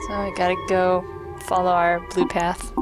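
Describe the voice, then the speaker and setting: A woman's voice: on the low side, flat delivery, moderate pace, low-quality recording. A woman doing chatty, opinionated let's play commentary on a video game in a casual way. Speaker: host playing and presenting a video game. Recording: game music behind the voice. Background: video game music.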